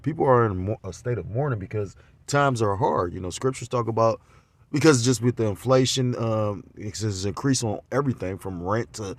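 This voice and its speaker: Deep-voiced man giving a rambling religious lesson. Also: a little fast, no echo. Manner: loose, rambling delivery with many fillers, growing louder and more animated. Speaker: religious teacher. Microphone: phone.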